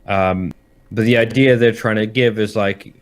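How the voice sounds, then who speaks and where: Man, lowish voice, casual games podcast host, explanatory, hesitant, rephrases mid-sentence. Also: fairly even intonation, moderate pace. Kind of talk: casual chat about games.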